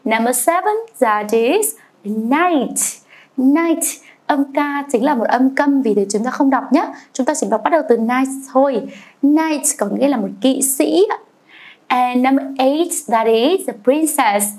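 A woman's voice: sits high, expressive, measured pace, a little mellow. A young woman with a Vietnamese accent teaching English vocabulary, saying each word twice and then explaining it. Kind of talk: bilingual vocabulary lesson.

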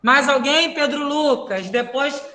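A woman with a Brazilian Portuguese accent teaching a primary class online, brisk and questioning, calling pupils by name. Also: high-pitched, bright, forceful tone, roomy sound, rough recording.

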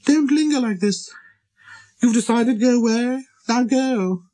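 A man's voice: very high-pitched, a little slow, dark tone, voice pushed up. A man voicing a proud, vain female flower in a storybook, haughty and brave while hiding hurt.

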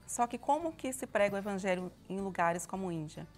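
A woman's voice: medium pitch, animated, darkish tone, soft background music. Earnest woman missionary on TV set. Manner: earnest, measured, devout. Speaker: missionary guest. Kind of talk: TV cooking show interview. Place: TV studio kitchen set.

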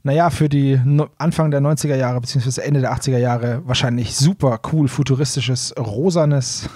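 Man hosting a podcast, slightly husky. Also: medium pitch, steady tone, normal speed, mellow, no room sound, studio quality. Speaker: podcast host. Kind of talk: casual podcast talk.

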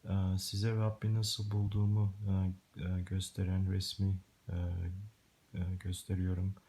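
A middle-aged man with a low, mellow voice gives a personal religious testimony. His Turkish is broken and halting, like that of someone long abroad, and he often searches for words. A light hiss and clicks sit on the home recording. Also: monotone. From Germany, born and raised. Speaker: Christian testimony video maker.

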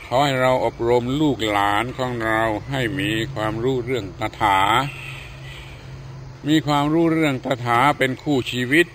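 An older man delivers a Buddhist sermon at a slow, deliberate pace, now and then pausing on hesitant fillers. His voice sits in an ordinary middle pitch. A faint background noise runs under the recording. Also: a bit bright. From Thailand. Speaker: Buddhist monk giving a dharma talk.

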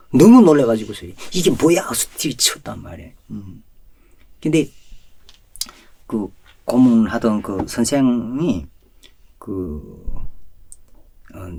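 A man, a pastor, telling his personal testimony in an animated storytelling way, chuckling often and swinging between loud and soft. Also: on the low side, slow pace, pauses often, husky. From North Korea.

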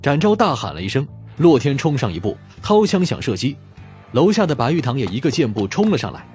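Male narrator, mid-pitched, lively and dramatic delivery of crime fiction, light music bed. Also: fairly quick. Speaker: audiobook narrator.

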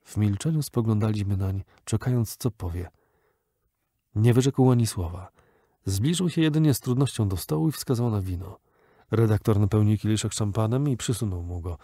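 Mellow-voiced male audiobook narrator. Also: on the low side, no echo. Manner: measured, even storytelling.

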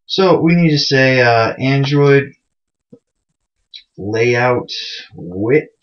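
On a dull-sounding lo-fi microphone, a programming tutorial host chats casually through his screencast, mocking himself and filling gaps with ums. His mid-range voice is expressive but extremely slow.

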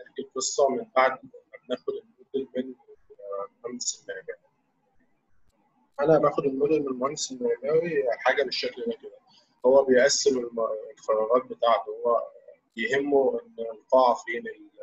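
A young man in his twenties with an Egyptian accent, an engineering student explaining a technical topic, heard over blurry, muffled low-quality stream audio. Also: slightly rough. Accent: Egyptian Arabic. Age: 20s. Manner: rapid explaining with frequent drawn-out fillers. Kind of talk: technical presentation over an online call. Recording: dull lo-fi online call audio.

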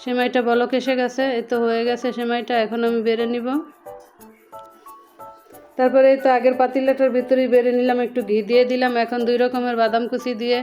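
A woman with a Bangladeshi accent narrates a casual home vlog. Her pitch sits a little high and barely moves at all. Music plays faintly behind her. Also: flat delivery, fairly quick, darkish tone, muffled recording. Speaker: home vlogger. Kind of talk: casual voice-over narration of a daily cooking vlog. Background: background music.

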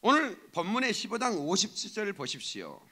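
A man preaching a lively sermon in a church, rousing the congregation to answer back and mixing in jokey asides. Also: high-pitched, fairly quick. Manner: rousing, calls out to the congregation for responses. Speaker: pastor. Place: church sanctuary.

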